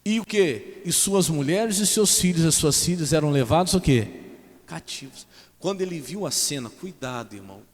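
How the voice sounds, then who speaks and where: A Brazilian pastor with a high voice preaches to his congregation, throwing out questions for them to answer back. His voice carries through a church hall with a long echo. It is heard from inside a live service. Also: expressive, moderate pace. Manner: call-and-response rhetorical questions. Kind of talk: evangelical sermon.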